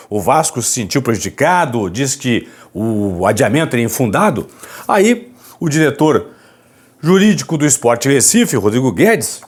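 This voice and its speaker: A man presenting football news commentary to viewers, speaking softly with a hoarse, raspy voice as he recovers from a throat problem. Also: mid-range voice. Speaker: sports commentary host.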